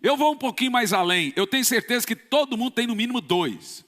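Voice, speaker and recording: High, forceful preaching man in reverb. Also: animated, fast talker. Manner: emphatic, forceful preaching with sudden bursts. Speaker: pastor. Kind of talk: sermon. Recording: long church reverb.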